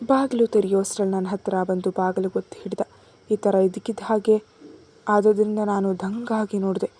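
A woman's voice: medium pitch, level tone, moderate pace, dark tone, breathy edge. A woman telling a romance story in the first person, earnest and emotional.

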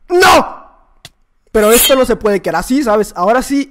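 High-voiced, excitable Mexican gamer guy. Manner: excitable, shouting and joking at opponents; rapid repeated exclamations. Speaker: YouTuber playing a block-building game. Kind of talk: live gameplay commentary.

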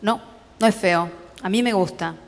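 A gruff, irritable father barks at his small son in a Rioplatense accent, as a woman reads his lines. He sounds harsh and loud, with a long hall reverb trailing each word. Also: mid-range voice, moderate pace, natural voice. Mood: angry. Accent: Rioplatense Spanish.

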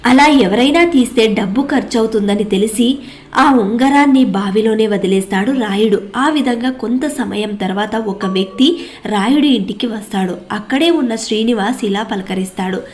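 A woman gently and earnestly narrating a devotional story, greeting listeners respectfully. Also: a little high, moderate pace.

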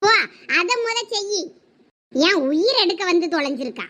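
In a comedy skit, a woman with a Thoothukudi Tamil accent plays a village mother who won't stop scolding and nagging her daughter. Her voice is extremely high and expressive, heavily acted, and her nagging comes in quick, sharp bursts.

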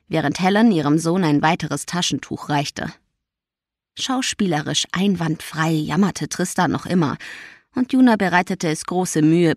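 A woman narrating an audiobook in a calm, even storytelling voice. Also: low voice, no room sound, clean studio sound. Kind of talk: scripted narration.

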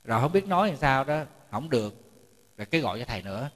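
In a temple lecture hall with a reverberant sound, a Buddhist monk with a mid-range, sing-song voice speaks fast. His sermon is chatty and full of stories, with frequent repetition and jokes aimed at the audience.

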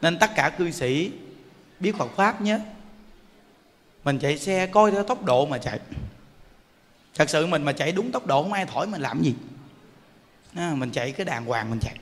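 A man with a Southern Vietnamese accent, a Buddhist monk telling funny stories in a dharma talk, loud exclaims one moment and low asides the next. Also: expressive, normal speed, pauses often. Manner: joking storyteller, swings between loud exclaims and low asides. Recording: echoey hall with faint background noise.

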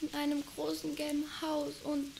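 A woman's voice: high-pitched, completely flat delivery, normal speed, creaky. A woman voicing a frightened, tired nine-year-old girl lost in the street, speaking timidly and pleading. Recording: rain noise behind.

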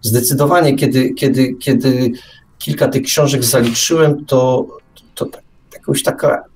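A man's voice: medium pitch, fairly even intonation, a little slow, darkish tone, far from the mic. Discursive male radio host, slightly off-mic. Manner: discursive, repeats and rephrases himself, rhetorical questions. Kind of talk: casual live talk, reflective monologue.

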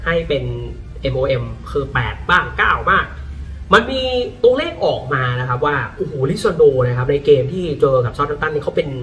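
Animated male football pundit. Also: a little high, a little fast, far from the mic. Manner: lively, animated, exclaims often. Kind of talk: casual football commentary. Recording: voice a bit off-mic, faint music behind.

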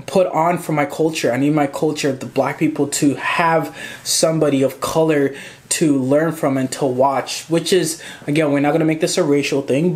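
A man's voice: fairly high pitch, darkish tone. A man in his twenties from Zimbabwe, chatting casually and rambling as he answers questions in a home vlog. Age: 20s. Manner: chatty, rambling, gestures with hands, swears casually. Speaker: photographer and YouTuber. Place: small indoor room at home.

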